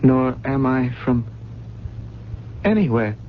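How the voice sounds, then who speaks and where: An actor playing a lost, gentle man without memory, speaking in a halting, formal way in a radio drama. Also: medium pitch, animated. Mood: lost, bewildered. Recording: dull old radio recording, faint noise.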